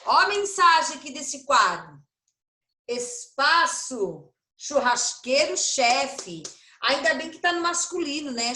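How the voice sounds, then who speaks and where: Animated high-voiced Brazilian woman teacher. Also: echoey room. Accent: Brazilian Portuguese. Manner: animated, drawn-out sing-song word stretching; playful, addresses pupils affectionately. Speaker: primary school teacher. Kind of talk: online class for young children. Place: home, room with echo.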